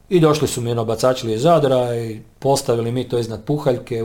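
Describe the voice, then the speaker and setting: At a moderate pace, a man with a medium pitch and a dark, mellow tone keeps his intonation fairly even. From Croatia, Ogulin (Gorski kotar). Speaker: war veteran. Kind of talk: interview. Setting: studio.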